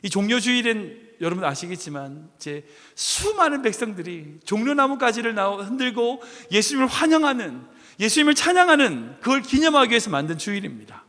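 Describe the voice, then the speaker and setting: A man's voice: high voice, sing-song, fairly quick, few pauses, bright, forceful tone, big-room sound. A man preaching a sermon as pastor, telling a story and asking the congregation questions.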